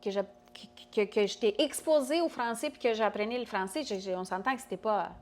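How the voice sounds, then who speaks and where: A woman's voice: medium pitch, brisk, darkish tone. Hesitant woman with a foreign accent. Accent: non-native French. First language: not French. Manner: hesitant, many restarts and fillers. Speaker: podcast guest. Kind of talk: casual conversation.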